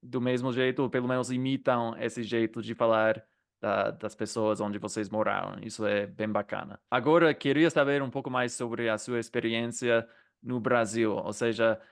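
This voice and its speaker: A man hosting an interview, asking questions in a relaxed way with plenty of fillers. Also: mid-range voice, normal speed, creaky. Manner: friendly questioning with many fillers. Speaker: host and interviewer. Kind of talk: casual interview.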